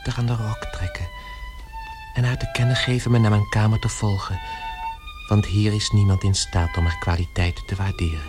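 A man's voice: lowish voice, fairly even intonation, moderate pace, over loud music, close to an everyday voice. An actor playing a tender, possessive brother turned insect in a radio play, speaking his yearning inner thoughts intimately. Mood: indignant, adoring.

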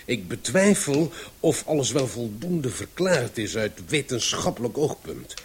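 An actor playing a pedantic, self-assured amateur scientist in a radio play, lecturing with emphatic pauses. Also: male voice, mid-range voice, sing-song, breathy edge, full character voice. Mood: pompous, lecturing. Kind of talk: Dutch-language radio play acting. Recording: faintly hissy old radio recording.

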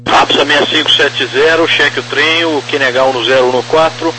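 A man's voice: a little high, steady tone, normal speed, sharp tone. A Brazilian man giving procedural air traffic control instructions over the radio. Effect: radio transmission. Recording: noisy aviation radio with hum.

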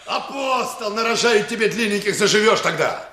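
A man's voice: sits high, expressive, normal speed, bright, forceful tone. An actor playing a spiteful village man in a radio drama, taunting and goading. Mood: jeering. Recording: echoey radio play, faint noise.

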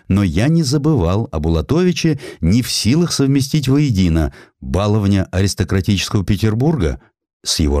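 A man reading a literary story aloud as an expressive narrator, with rhetorical phrasing and emphatic pauses. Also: deep voice, no room sound, studio quality. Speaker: audiobook narrator, reading in the author's first person.

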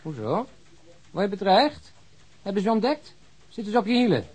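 An actor playing a joking, talkative, food-loving police detective in a radio drama, with a teasing, mock-dramatic manner. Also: male voice, high-pitched, sing-song, brisk, a little mellow, slightly rough, exaggerated voice.

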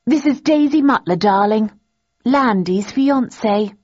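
A woman's voice: mid-range voice, expressive, normal speed, husky, voice pushed up. A woman reading an audiobook, voicing a smug, mocking young woman who talks down to her rival. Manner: disdainful, sneering. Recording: dull lo-fi recording.

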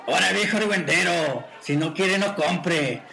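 A man voices a coarse, mocking rogue in a homemade radio drama. The voice sits high and gravelly with a sharp, tense bite. He answers back with open scorn. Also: moderate pace, some chatter behind, exaggerated voice, poor audio. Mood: scornful. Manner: rude, scornful back-talk. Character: coarse, mocking male street rogue with loose morals. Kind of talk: amateur radio drama acting.

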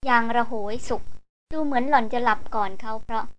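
A woman narrating a novel as an audiobook, in a steady storytelling manner. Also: on the high side, brisk, a little hiss or hum. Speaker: audiobook reader.

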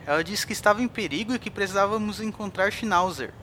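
An actor with a Brazilian accent playing a concerned, hopeful ship's crew member in an audio drama. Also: male voice, high-pitched, quick pace, pushed and bright, a little hiss or hum. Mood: insistent, hopeful.

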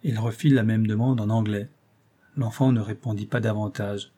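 A man's voice: lowish voice, fairly even intonation, moderate pace, mellow. A man narrating a classic adventure novel as an audiobook, reading expressively and lifting his voice for quoted dialogue.

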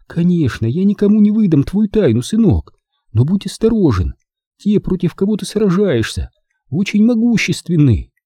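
Audiobook mother, soft and worried, higher voice, a man putting her on. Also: big pitch swings, moderate pace, slightly rough, no echo, studio quality, full character voice. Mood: tender. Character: anxious, gentle mother, adult woman.

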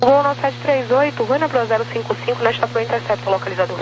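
An air traffic controller with a Brazilian accent gives clipped, procedural clearances over the radio. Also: mid-range voice, rapid-fire, dull audio. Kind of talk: radio callout of aviation clearances. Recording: noisy humming air-band radio transmission.

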